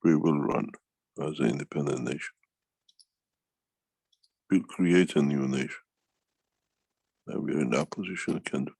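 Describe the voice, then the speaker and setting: A man giving an unscripted answer in a meeting, halting yet emphatic, often repeating phrases for weight. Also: a bass voice, gravelly, a little mellow, breathy edge, dry recording. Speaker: foundation speaker answering questions. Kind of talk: unscripted talk, answering a question in an online meeting.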